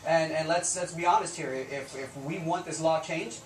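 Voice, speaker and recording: Higher-voiced male border officer, echoey and distant. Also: moderate pace. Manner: border officer's earnest, insistent, plain-spoken argument. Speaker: Border Patrol agent being interviewed. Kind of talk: live news interview answers. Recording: roomy echo, distant mic, faint noise.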